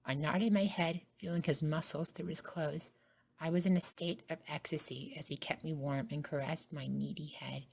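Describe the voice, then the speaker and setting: A woman narrating a scripted first-person ASMR story in a soft-spoken way. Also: deep voice, steady tone, normal speed, gravelly, breathy edge. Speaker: narrator and voice actor.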